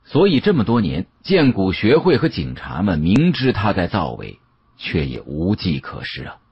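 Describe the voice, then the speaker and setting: A man with a husky voice narrating an audiobook story in a dramatic storytelling style. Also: sits low, huge pitch swings, normal speed, highs cut off.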